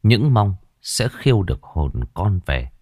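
A man narrating a ghost story in a measured, suspenseful way. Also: low-pitched, big pitch swings, a little mellow, dry recording, studio quality.

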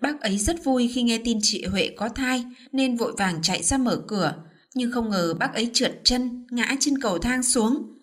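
A woman voicing a deceitful, cruel young woman who threatens with a shrill voice and later fakes a trembling apology. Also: moderate pace, close to an everyday voice. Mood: feigned trembling. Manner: shrill menace, then feigned tearful stammering.

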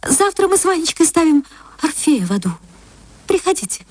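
A woman's voice: sits high, sing-song, normal speed, darkish tone, no room sound, pitched above the performer's own voice. A woman voicing an earnest, naive young wife. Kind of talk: literary reading.

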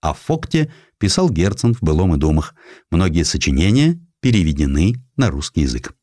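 A man reading a historical essay as an audiobook narrator, in an expressive, measured literary manner with distinct pauses. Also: deep voice, dry recording, studio quality.

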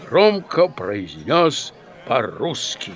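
A man narrating a literary radio play in a measured, expressive storytelling manner. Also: mid-range voice, a faint crowd, exaggerated voice.

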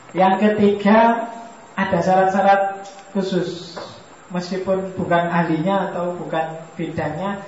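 A man teaches in a mosque hall, keeping the talk loose and joking and turning questions back to the listeners. His voice sits a little high and reaches the mic from a distance. Strong hall echo and a faint hiss hang around every word. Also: lo-fi sound. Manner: relaxed, joking, questions the audience. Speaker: philosophy lecturer. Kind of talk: religious study lecture.

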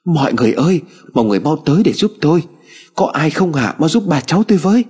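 A man's voice: fairly low pitch, big pitch swings, normal speed, darkish tone, slightly rough. A man voicing a loving, anxious old grandmother in an audio story, speaking urgently. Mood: frantic. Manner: urgent, fretful. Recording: hall reverb with music bed.

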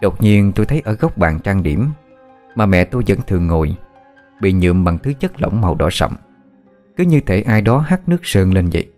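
A man reading a scripted horror story in a steady, somber way. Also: fairly low pitch, moderate pace, soft background music.

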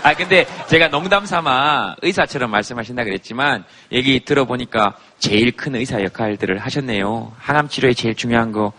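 A man's voice: mid-range voice, brisk, hardly any pauses, bright, forceful tone, a little hiss or hum. A middle-aged man hosting a talk show before a studio audience, bantering and teasing guests. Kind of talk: casual chat with studio audience.

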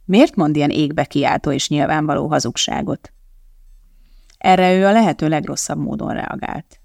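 Gravelly, steady audiobook narrator. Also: mid-range voice, no echo, studio quality. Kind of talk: scripted narration.

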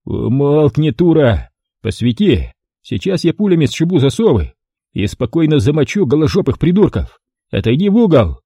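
A male narrator voicing a crude, bossy male thug with a hoarse, cracked baritone. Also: very animated, moderate pace, mellow, dry recording, clean studio sound, full character voice. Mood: barking. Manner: barking, rude.

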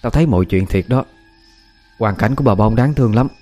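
A man acting out an earnest young woman in an audio ghost story, stubborn but soft-hearted. The pleading voice is lifted from a rather low base, with faint music underneath. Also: brisk, lightly acted. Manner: earnest, pleading, sometimes hushed.

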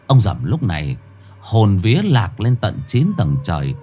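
A man narrating a ghost story in a dramatic manner, slowing down for suspense. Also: on the low side, big pitch swings, mellow, slight background noise.

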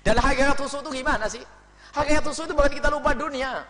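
Brief: fast, expressive male preacher, bright pitch, big swings, recorded in a reverberant hall with a crowd present. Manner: animated, acts out little scenes, laughs. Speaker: preacher answering questions. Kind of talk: religious lecture. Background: audience.

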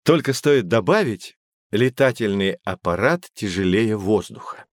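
An actor playing a patient professor who calmly explains things to children in a scripted educational audio drama. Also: male voice, lowish voice, measured pace, no echo, studio quality. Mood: explaining. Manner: calm, explanatory. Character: patient, knowledgeable male professor. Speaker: explaining guide in an audio encyclopedia.

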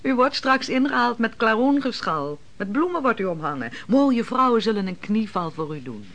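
A composed attendant to a biblical commander in a radio drama. Her voice is somewhat high. She speaks formally and deliberately, with a questioning, theatrical delivery. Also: sing-song, a bit bright. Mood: soothing.

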